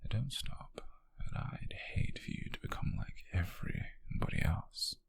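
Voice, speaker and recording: A British man voices a rich, possessive nobleman in an intimate ASMR roleplay, coolly controlling but tender, offering slow, condescending endearments in a husky near-whisper. It's lightly acted, with no room sound, and the mood is cold and insistent.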